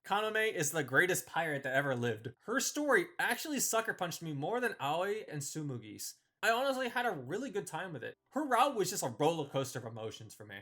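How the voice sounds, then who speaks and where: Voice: mid-range voice, big pitch swings, a little fast, hardly any pauses, sharp tone. A video host giving casual, opinionated review commentary in an informal, emphatic and slangy manner. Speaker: video host ranking visual novel characters.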